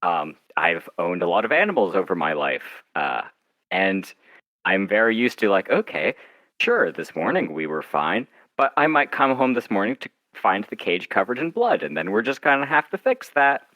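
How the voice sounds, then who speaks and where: A man being interviewed as an author, chatting casually in a wry, self-deprecating way, haltingly and with little acted-out asides. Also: fairly low pitch, sing-song, sharp tone, dry recording, poor audio.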